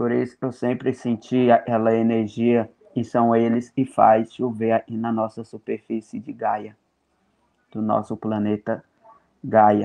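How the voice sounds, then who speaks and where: A man's medium-pitched, flat monotone at a fairly slow pace against a quiet background. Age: 30s. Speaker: spiritual speaker; speaker. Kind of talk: spiritual talk. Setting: livestream. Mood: calm, earnest, spiritual. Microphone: earbuds.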